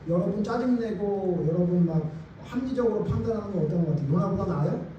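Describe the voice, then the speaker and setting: A man's voice: sits high, fast, dull audio. A male pastor preaching a sermon, speaking emphatically and firing rhetorical questions at the congregation. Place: church sanctuary. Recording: echoey church hall, distant mic, faint room noise.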